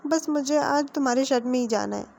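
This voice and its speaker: A woman's voice: high-pitched, brisk, creaky, a little mellow. Woman doing a sulky whiny young man. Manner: sulky, demanding, childish pleading.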